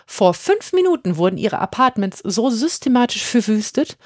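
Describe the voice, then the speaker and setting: A woman voicing an eccentric female Christmas witch who speaks in exaggerated courtly phrases with high, squeaky swoops. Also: big pitch swings, normal speed, darkish tone, dry recording, clean studio sound. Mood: chatty.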